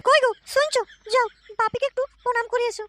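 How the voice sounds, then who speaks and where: A woman's voice: very high voice, fairly even intonation, quick pace, a bit bright. A woman voicing a young married daughter in a cartoon, weary and dutiful toward her father. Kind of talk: cartoon voice acting.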